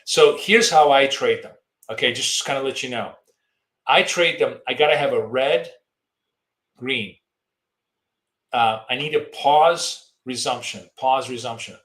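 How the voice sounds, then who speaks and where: A man hosting a long live trading stream, rambling casually through market commentary and viewer questions, his voice going hoarse. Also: mid-range voice, a little slow, long pauses, fairly bright tone, roomy sound.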